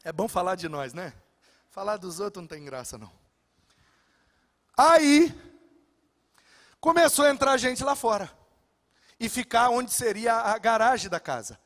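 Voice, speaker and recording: A man's voice: high-pitched, fairly bright tone, long reverb tail. A male pastor preaching a sermon, telling stories with humor and acting out the dialogue. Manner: storytelling, acts out dialogue with humor. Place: church sanctuary.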